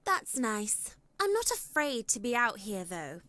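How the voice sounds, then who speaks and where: A woman's voice: on the high side, sing-song, unhurried, sharp tone, no echo, exaggerated voice. An actress playing a reserved but resilient young woman in a visual novel, polite and tentative.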